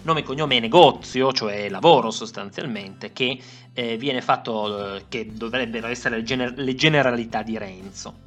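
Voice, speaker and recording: A man's voice: medium pitch, moderate pace, fairly bright tone, faint music behind. A man teaching literature, explaining a classic novel passage with frequent hesitations and fillers. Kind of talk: lecture with read-aloud passages.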